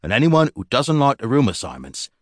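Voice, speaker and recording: A man voicing a rough-edged, plain-spoken husband who brooks no argument. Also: medium pitch, very animated, fairly quick, no room sound, clean studio sound, voice pushed up. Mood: blunt. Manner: blunt, gruff, plain-spoken. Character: blunt, rough-edged self-made husband.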